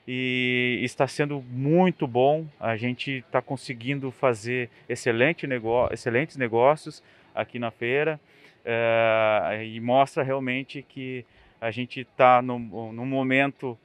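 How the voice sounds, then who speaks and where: A man's voice: mid-range voice, dry recording. A young adult man speaking chattily in an interview outdoors at a fair stand, into a handheld mic. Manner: chatty, animated, quick asides. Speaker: machinery dealer representative. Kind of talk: casual interview answer.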